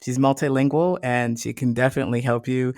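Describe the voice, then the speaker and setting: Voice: mid-range voice, steady tone, fairly quick, darkish tone, slight background noise. A podcast host chatting casually in an encouraging, upbeat and affirming manner. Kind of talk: casual interview chat.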